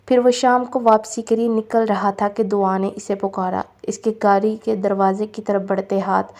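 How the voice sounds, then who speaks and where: A woman narrating a novel aloud in an even, measured reading manner. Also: medium pitch. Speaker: novel reader.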